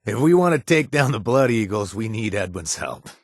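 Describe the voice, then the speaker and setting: An actor playing a wry, hesitant former raider in a video game, with a husky voice and lots of fillers. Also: male voice, fairly low pitch, very animated, normal speed, no echo, studio quality. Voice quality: husky, punning, easygoing. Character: wry former raider man, trying to stay clean. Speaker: companion character.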